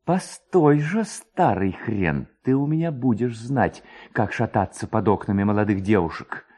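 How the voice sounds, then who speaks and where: A man's voice: lowish voice, lively intonation, measured pace, darkish tone, husky. A man voicing a mischievous, spirited young village lad who rallies his friends in a dramatised story reading. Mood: gleeful, vengeful. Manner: spirited, exclaiming, rallying. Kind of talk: dramatised reading of a classic tale.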